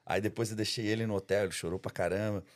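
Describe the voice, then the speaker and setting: A Brazilian man rattles off a story at a very fast clip in a casual podcast chat. His voice is lowish and he keeps dropping "cara" and "velho" between phrases. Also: fairly even intonation. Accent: Brazilian Portuguese. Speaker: bodybuilder guest.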